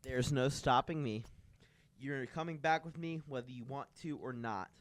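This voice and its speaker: A man's voice: mid-range voice, normal speed, natural voice. A man playing a menacing, possessive, jealous ex-lover in an amateur radio play, coaxing and threatening. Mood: cold menace.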